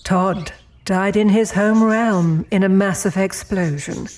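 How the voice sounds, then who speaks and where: An actress playing a serene otherworldly architect in an audio drama, politely cold, formal and measured. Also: female voice, mid-range voice, a little mellow, natural voice. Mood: cool, composed.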